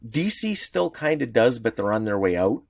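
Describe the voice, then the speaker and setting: A man co-hosting a podcast, explaining at length and restarting his sentences as he goes. His pitch jumps up now and then, and his voice is close and dry with no room sound. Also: sing-song, moderate pace, gravelly, darkish tone, no echo. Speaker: podcast co-host. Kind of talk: casual podcast discussion.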